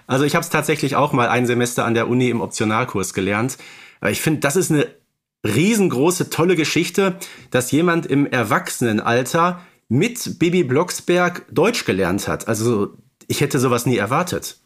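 A man's voice: medium pitch, lively intonation, normal speed. A man co-hosting a podcast in casual discussion, appreciative and feeling his way through his phrasing. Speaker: podcast co-host.

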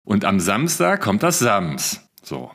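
A man's voice: fairly low pitch, wildly swooping pitch, slow, a bit bright. A man with a German accent, co-hosting a podcast in casual chat, rambling a little with restarts. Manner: chatty, rambling with restarts, laughs often. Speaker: podcast co-host.

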